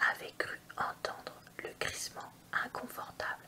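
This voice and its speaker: Noticeable noise fills the background. The voice is a whisper. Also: woman. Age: 30s. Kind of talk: novel excerpt reading. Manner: whispered.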